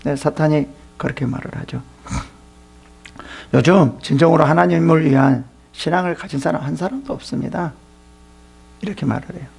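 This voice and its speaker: A man's voice: on the high side, expressive, a little fast, gravelly, darkish tone, husky. A middle-aged male pastor who preaches a sermon emphatically and uses rhetorical questions.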